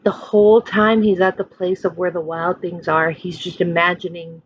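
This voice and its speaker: A woman teacher reading a picture book aloud to children, expressive and dramatic, with drawn-out phrases. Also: lowish voice, lo-fi sound, slight background noise. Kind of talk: expressive picture-book read-aloud with questions to young listeners.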